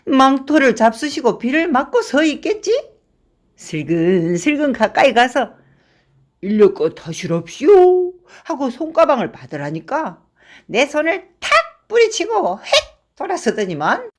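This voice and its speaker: Woman putting on a drunk rickshaw guy, loud and slurry, pitch jumping all over. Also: huge pitch swings, measured pace, exaggerated voice. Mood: boastful storytelling. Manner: shouting, slurred drunken bluster. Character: drunken middle-aged rickshaw man, boisterous then weeping.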